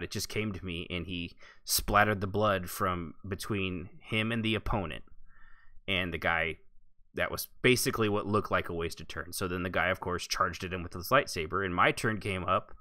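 Low-ish bright voiced guy rambling n joking on a gaming podcast. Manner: rambling, joking, laughs often. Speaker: podcast host. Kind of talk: casual roleplay podcast chat.

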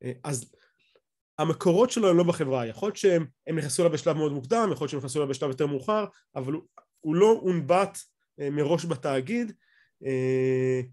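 A man's voice: on the high side, lively intonation, darkish tone. A middle-aged man with an Israeli accent explains things in an off-the-cuff lecture on a video call, often restarting his phrases. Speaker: academic lecturer. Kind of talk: explanatory lecture over slides, speaking off the cuff.

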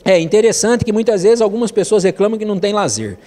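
High-voiced Brazilian man in echoey room. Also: expressive, fast talker, dark tone. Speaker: mayor being interviewed. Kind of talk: TV interview answers. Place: indoor room. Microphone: handheld interview microphone.

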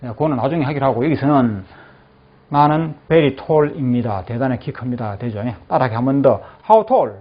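Lively male teacher on a lo-fi tape. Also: medium pitch, breathy edge. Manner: says English phrases slowly, then explains them in Korean; keeps checking that the class follows. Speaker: English teacher. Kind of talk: classroom lecture with repeat-after-me drills. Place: classroom. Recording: dull lo-fi classroom recording.

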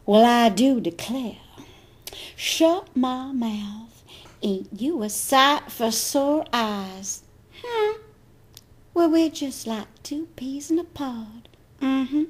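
A woman's voice: sits high, animated, very slow, exaggerated voice. A woman voicing a coy, sweet Southern belle with a drawling American Southern accent.

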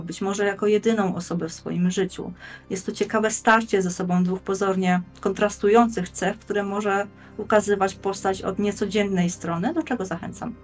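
A young woman, a podcast guest presenting prepared ideas in articulate, formal phrasing. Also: medium pitch. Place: indoors, plain-walled room on video call. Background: faint music.

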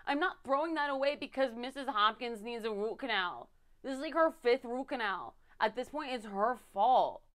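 Woman playing a high, whiny party girl. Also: expressive, moderate pace, a bit bright. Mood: whiny, indignant. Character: tipsy, clingy, combative young party girl. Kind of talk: comedy character monologue.

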